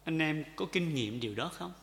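Fervent, high-voiced preacher in an echoing church. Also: male voice, lively intonation, normal speed, vocal fry. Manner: swings between loud impassioned calls and quiet intimate asides; repeats phrases and asks the congregation questions. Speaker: pastor. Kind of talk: sermon. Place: church sanctuary. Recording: echoey hall with long reverb.

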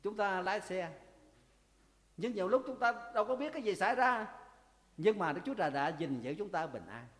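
A male pastor preaching a sermon, emphatic, with drawn-out pauses, often turning to address the congregation. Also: high-pitched, animated, a bit bright. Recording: long reverb of a church hall.

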